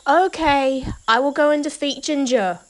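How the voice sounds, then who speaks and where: A woman's voice: sits high, a little slow, noisy background. A woman playing a sincere, troubled and hesitant young princess in an amateur audio drama. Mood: resolving.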